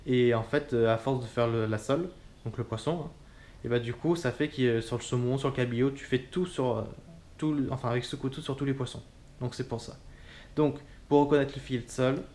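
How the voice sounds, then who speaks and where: A man casually demonstrating kitchen tools as a cooking instructor, chatty and informal, often pausing with fillers. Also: mid-range voice, darkish tone.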